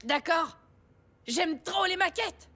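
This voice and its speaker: A woman's voice: very high-pitched, lively intonation, slow pace, pushed and bright, soft background music, full character voice. A woman voicing a confident, breezy older boy in a children's cartoon, upbeat and encouraging to a younger playmate. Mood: confident, helpful. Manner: upbeat, self-assured, encouraging.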